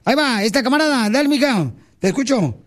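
Man, Mexican Spanish accent, very high voice, playful, teasing, live show host. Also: animated, fast talker. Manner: playful, teasing, reads listener messages aloud. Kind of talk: casual live show banter.

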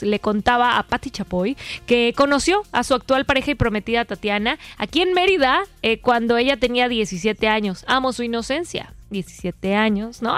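A woman's voice: a little high, a bit bright. A woman radio host from Yucatán, Mexico, with a mostly neutral Mexican Spanish accent and a slight Yucatecan touch, chatting casually on air with many fillers. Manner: chatty, filler-heavy, playful.

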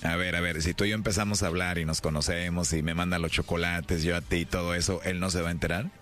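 Man, very deep voice, flirty smooth salesman patter, faint music underneath. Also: level tone, fast. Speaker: radio prank caller. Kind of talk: flirty prank phone call.

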